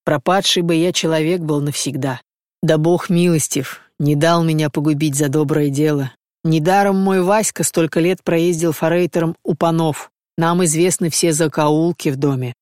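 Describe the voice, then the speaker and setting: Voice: mid-range voice, a little mellow, dry recording, clean studio sound, close to an everyday voice. A reader voicing a humble middle-aged male gypsy chieftain in an audiobook, speaking deferentially in a folksy, homely way.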